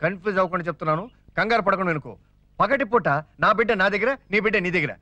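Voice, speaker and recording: An actor playing a fast-talking, scheming young father who pleads and teases his friend in a comic film scene. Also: sits high, pushed and bright, dry recording. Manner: rapid, jokey, wheedling. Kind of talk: 1990s Telugu film acting.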